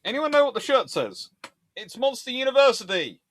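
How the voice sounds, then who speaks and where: A man's voice: extremely high pitch, big pitch swings, a little fast, fairly bright tone. A man hosting a live history chat, answering viewers in a rambling, discursive way like a lecturer thinking aloud.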